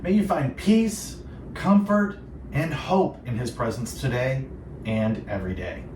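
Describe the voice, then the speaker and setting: Earnest, reflective and polished, this devotional Christian radio host chats with his co-host in a mid-range voice that's a little mellow and measured in pace. Audio is roomy and distant, with noticeable noise.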